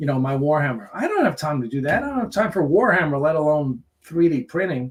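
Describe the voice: A man talks at a fairly quick pace with lively intonation. His voice carries a slightly husky edge.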